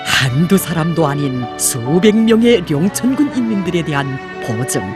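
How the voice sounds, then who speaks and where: A woman's voice: low voice, big pitch swings, normal speed. A woman with a North Korean accent delivering solemn scripted propaganda narration. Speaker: documentary narrator. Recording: music behind the narration.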